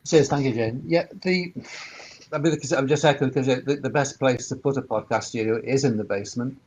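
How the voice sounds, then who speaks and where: A man giving informal technical advice on a webinar panel, halting and often repeating words mid-sentence. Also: mid-range voice, darkish tone, a little hiss or hum, rough recording. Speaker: sound engineer and workspace operator on a panel.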